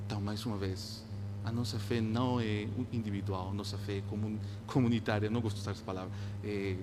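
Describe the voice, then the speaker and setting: Man preaching in a noisy, echoing hall. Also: lowish voice. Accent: non-native, Spanish-influenced Portuguese. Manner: earnest, exhorting, with short phrases and pauses. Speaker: pastor preaching to a congregation. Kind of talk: sermon. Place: large church hall, live before a congregation. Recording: echoing hall with loud background hum.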